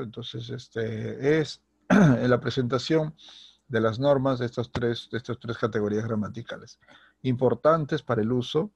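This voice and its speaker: A man's voice: medium pitch, vocal fry, darkish tone, breathy edge, dry recording. A Peruvian man teaching a recorded grammar lesson, who keeps checking in with the student and restarts his phrases often. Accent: Peruvian Spanish. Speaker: secondary school teacher.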